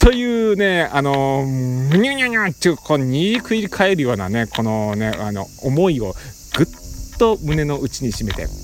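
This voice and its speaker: A middle-aged man casually telling a story as a podcast host, animated, with playful sound effects and rough casual phrasing. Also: mid-range voice, moderate pace.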